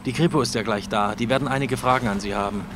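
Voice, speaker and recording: An actor playing a plain-spoken, matter-of-fact emergency official in a radio play. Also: male voice, medium pitch, fast talker, very noisy, natural voice. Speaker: actor in an audio drama. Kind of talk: German radio play acting.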